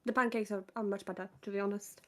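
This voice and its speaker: A woman's voice: mid-range voice, steady tone, quick pace, a crowd in the background. A woman from Norway with a British-sounding accent, chatting casually with blunt, sweary directness. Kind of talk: casual group chat.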